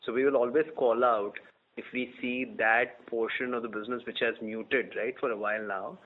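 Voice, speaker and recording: A man's voice: mid-range voice, fairly even intonation, normal speed. A man speaking as a finance executive on an earnings call, often checking in with "right?" as he explains. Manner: frequent "right?" tags. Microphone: conference call line. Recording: tinny conference phone line.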